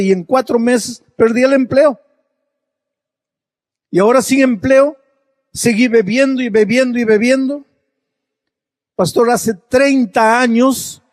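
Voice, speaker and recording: A male preacher voicing a broken, grieving middle-aged man who speaks in a quiet, halting, mournful way. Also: very high-pitched, dry recording, clean studio sound, voice pushed up. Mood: despairing.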